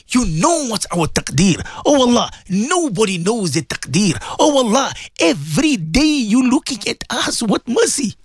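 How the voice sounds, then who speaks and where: A Muslim prayer leader pleads in an emotional, tearful voice, returning again and again to the same invocations. The pitch swings widely within a middle register, and the sound is close and dry, as in a live broadcast supplication. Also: slightly rough, dry recording.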